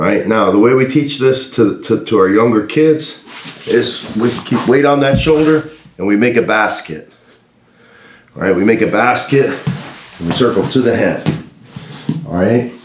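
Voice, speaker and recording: A man at a moderate pace with ordinary pitch variation and long, frequent pauses, light background noise and audible room echo. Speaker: wrestling coach. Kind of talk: tutorial. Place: gym.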